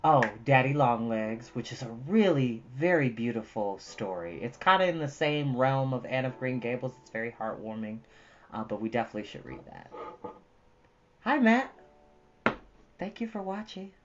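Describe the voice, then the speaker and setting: A livestream host of about thirty chatting casually and exclaiming in an animated, talkative way. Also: mid-range voice, normal speed, dull audio, slight background noise. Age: 30s. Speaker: livestream host who reads books aloud. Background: prominent jazz music.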